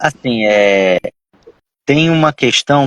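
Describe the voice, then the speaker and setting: The man's voice sits at medium pitch with a bright, sharp tone, recorded dry and close with no echo. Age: 30s. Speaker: voice actor and dubbing director. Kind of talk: interview answers. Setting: Instagram live.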